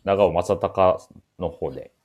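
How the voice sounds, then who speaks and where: A man's voice: sits low, slow, a little mellow, highs cut off. A man hosting a casual radio-style talk, bantering and teasing his co-hosts. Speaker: show host, MC.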